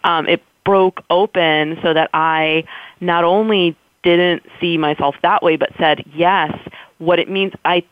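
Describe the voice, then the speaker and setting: A woman's voice: on the low side, steady tone, takes it slowly, dry recording. An American woman, an author guest, answering interview questions in a thoughtful, searching way with many restarts. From United States. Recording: dry tinny phone line.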